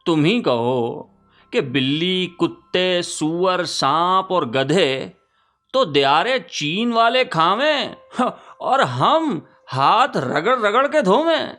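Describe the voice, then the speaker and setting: A man's voice: high voice, very animated, sharp tone, faint music behind, exaggerated voice. A man playing a witty, lamenting nineteenth-century poet reading his letter aloud in archaic, courtly, theatrical phrasing. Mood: wry, bemused. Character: Mirza Ghalib, witty lamenting 19th-century Urdu poet writing a letter.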